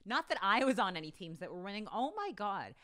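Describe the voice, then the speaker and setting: A young adult woman co-hosting a podcast at home, talking in a rambling, animated way full of fillers, close to a desk mic. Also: mid-range voice, brisk. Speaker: podcast co-host. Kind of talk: casual chat. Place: home studio room with bookshelves. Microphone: desk broadcast mic on boom arm.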